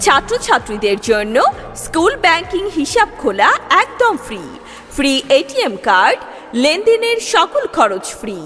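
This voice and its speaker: A woman reading a street loudspeaker advertisement in a lively, declamatory announcing manner. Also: high voice, normal speed. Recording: long reverb with music bed. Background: music.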